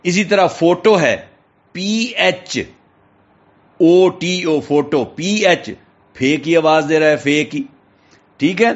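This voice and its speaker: Male teacher, Pakistani accent, spells words slowly, muffled lo-fi recording. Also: fairly high pitch. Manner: spells words letter by letter, checks in with "theek hai". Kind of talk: classroom lecture. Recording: dull lo-fi recording.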